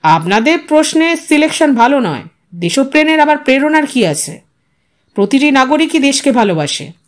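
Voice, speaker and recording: A woman's voice: high voice, sing-song, normal speed. A woman voicing a self-important, easily slighted male local organizer with an assertive manner in an audio story. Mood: slighted, lofty. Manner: assertive, interrupting.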